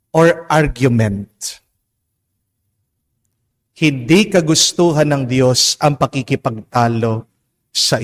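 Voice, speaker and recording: A man with a Filipino accent preaching a Catholic homily, slow and emphatic, stretching out words and asking rhetorical questions. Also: on the high side. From Philippines. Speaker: Catholic priest. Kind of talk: homily mixing Tagalog and English. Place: church. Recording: long church reverb.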